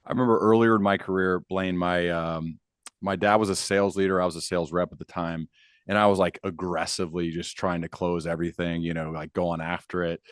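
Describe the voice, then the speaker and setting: A man's voice: low-pitched, level tone, fairly quick, clear, resonant tone, no echo, studio quality. A man hosting an interview podcast in an informal, emphatic storytelling manner, repeating phrases as he talks. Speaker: podcast host. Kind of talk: conversational interview.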